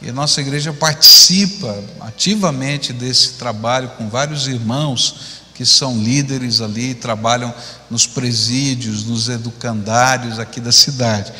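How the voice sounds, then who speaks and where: A man's voice: mid-range voice, a little slow, sharp tone. A middle-aged male pastor preaching conversationally on a church stage into a handheld mic, often adding tag questions. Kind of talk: sermon. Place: large church auditorium stage. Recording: long hall reverb.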